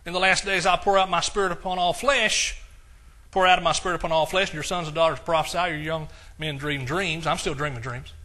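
An older male preacher delivering a sermon in a bright, forceful voice that sits somewhat high for a man. He reads scripture with climbing emphasis, then drops into easy, conversational asides. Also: steady tone, fairly quick.

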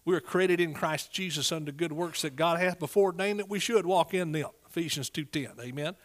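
Preacher, male, middle age. East Texas accent, pitch a little high, folksy and emphatic sermon style. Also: a little fast, a bit bright. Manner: folksy, emphatic, prompts listeners with amens and hallelujahs.

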